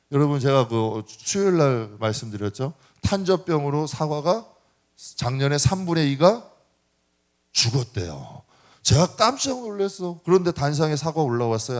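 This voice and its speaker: Lively, animated male pastor preaching. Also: a little high. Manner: lively, conversational preaching with rhetorical questions to the congregation. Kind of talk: sermon. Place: church sanctuary.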